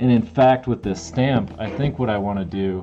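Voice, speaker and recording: Over light background noise, a man speaks fairly slowly in a dark, mellow tone with ordinary pitch variation. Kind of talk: live-stream tutorial chat. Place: workshop.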